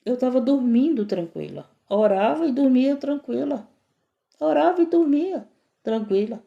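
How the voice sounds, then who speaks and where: A woman's voice: high voice, animated, a little slow, vocal fry, highs cut off. A middle-aged woman missionary, preaching a fervent sermon and repeating prayer refrains.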